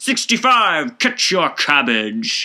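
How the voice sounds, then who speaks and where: Putting on a character voice, a man speaks high and raised, projecting with very wide pitch swings. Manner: commanding.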